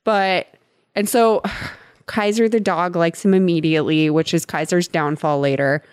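A woman's voice: lowish voice, fairly even intonation, unhurried, a little mellow, clear, resonant tone, no echo. Female co-host, wry playful recap delivery, dry studio sound. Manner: wry, playful, acts out characters. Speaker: podcast co-host. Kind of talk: casual chat recapping a movie.

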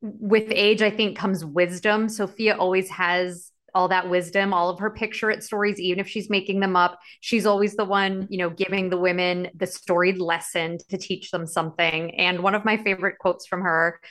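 A woman's voice: on the low side, little pitch movement, normal speed, hardly any pauses, fairly bright tone. A woman in her late thirties hosting a casual talk show, chatty, with many fillers and restarts. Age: 30s. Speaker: podcast host. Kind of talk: casual chat.

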